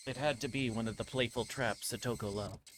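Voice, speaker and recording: A man livestreaming a visual novel, reading the game text aloud in a measured, slightly halting way. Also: mid-range voice, fairly even intonation, a bit bright, a little hiss or hum.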